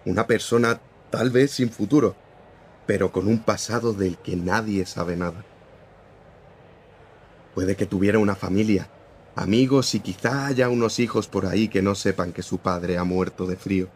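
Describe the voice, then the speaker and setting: A man's voice: lowish voice, moderate pace, darkish tone, slight background noise, lightly acted. A man playing a stern newspaper editor. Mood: earnest. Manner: firm, lecturing, morally serious. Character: stern, principled male newspaper editor-in-chief.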